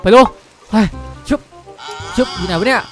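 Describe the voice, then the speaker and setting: A man hosting and improvising Minecraft roleplay in an excitable, chatty way, often repeating himself. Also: high-pitched, moderate pace, over music. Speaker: YouTube gaming host and roleplay lead.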